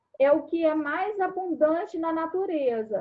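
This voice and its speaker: Her extremely high-pitched voice moves with lively intonation as the woman speaks at a very slow pace. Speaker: chemistry teacher. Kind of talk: online class lecture. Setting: video call. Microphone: connection freezing, audio cutting out.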